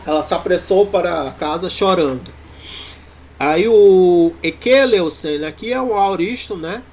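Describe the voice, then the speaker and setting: A man with a Brazilian Portuguese accent, teaching a university Greek class in a halting way, full of fillers and restarts. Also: sits high, darkish tone. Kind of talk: classroom lecture.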